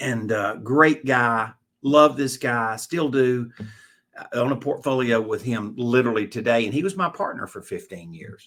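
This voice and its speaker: In a Southern US accent, a man speaks at a moderate pace and medium pitch with ordinary pitch variation. His loudness swings a lot, in a very clean recording with a silent background. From US South, Jackson, Mississippi. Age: 60s. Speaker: note investor and mentor. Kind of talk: podcast interview. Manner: conversational with hesitations.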